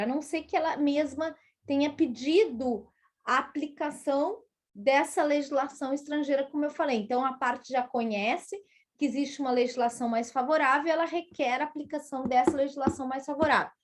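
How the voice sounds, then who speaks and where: A Brazilian woman with a high voice teaches a law class. She lays out each point patiently and turns to her students with questions as she goes. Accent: Brazilian Portuguese. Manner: explanatory, addresses students directly, acts out quoted judges. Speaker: law lecturer. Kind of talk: university lecture.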